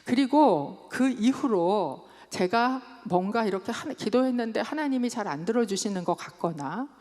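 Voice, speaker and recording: A woman's voice: fairly high pitch, expressive, normal speed, darkish tone. A woman in her fifties, a pastor telling stories in a sermon and raising her voice when she quotes others. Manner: storytelling, quoting with raised voice. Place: church sanctuary. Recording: long hall reverb.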